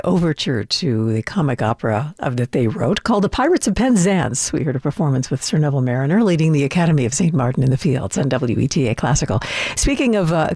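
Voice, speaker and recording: A woman radio host announcing music in a relaxed way with small fillers. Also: sits low, no room sound, studio quality.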